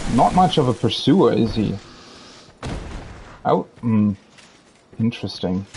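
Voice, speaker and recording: A man with a medium pitch speaks at a fairly slow pace, his voice somewhat breathy and his intonation lively. He leaves long, frequent pauses. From Germany. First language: German. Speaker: gaming streamer. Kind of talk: live gameplay commentary. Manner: casual, thinking aloud with hesitations.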